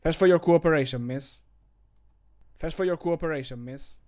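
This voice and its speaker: A man voicing a courteous, firm guard making an arrest in a video game, measured and authoritative. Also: a little high, darkish tone, close to an everyday voice. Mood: polite, firm. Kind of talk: game voice line takes.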